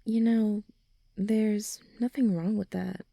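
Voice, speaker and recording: Woman playing a mellow, caring teenage best friend. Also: medium pitch, fairly even intonation, slow pace, creaky, no room sound. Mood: reassuring. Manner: gentle, reassuring, informal, often sighing or softly laughing. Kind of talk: ASMR roleplay audio drama.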